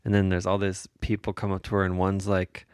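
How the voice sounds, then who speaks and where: A man's voice: low-pitched, monotone, brisk, clear, resonant tone, dry recording, studio quality. An American man co-hosting a podcast, telling stories in casual comedic banter. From United States. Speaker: podcast co-host.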